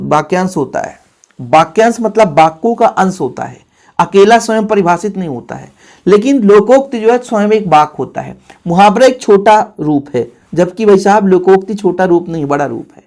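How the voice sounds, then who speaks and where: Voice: mid-range voice, a little mellow. Casual coaching-class teacher who drills exam answers, speaks straight to the students and repeats each point for emphasis. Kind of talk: exam-prep grammar lesson.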